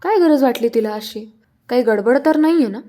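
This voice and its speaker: A woman with a slightly high voice casually recaps a TV serial episode. She talks in a loose, chatty way and fills gaps with fillers and restarts. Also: expressive, a little fast, warm tone.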